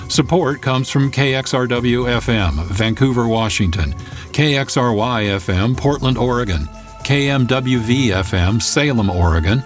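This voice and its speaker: Male host reading credits, steady mid pitch, soft music under. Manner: measured, formal. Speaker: producer and host. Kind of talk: scripted outro announcement.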